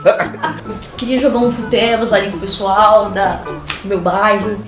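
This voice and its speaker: A woman in her twenties with a Brazilian accent, chatting casually as a guest in an animated, theatrical way. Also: medium pitch, unhurried. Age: 20s. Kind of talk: casual chat. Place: living room. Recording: roomy sound, loud background music.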